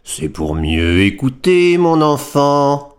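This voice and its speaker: A woman voicing a sly male wolf in disguise, speaking slowly with a drawn-out, menacing manner. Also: a bass voice, very animated, clean tone, voice pushed down, heavily acted.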